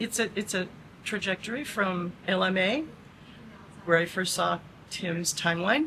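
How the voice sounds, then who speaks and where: A woman's medium-pitched voice at a moderate pace, with lively intonation, long, frequent pauses and noticeable background noise. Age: 70s. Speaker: author and seminar attendee. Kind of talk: testimonial interview. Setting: at a seminar event in Mexico.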